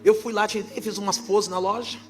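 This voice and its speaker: Woman, pastor, fervent testimony preaching, loud proclaiming, faint background music, church service. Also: mid-range voice, fairly even intonation, brisk.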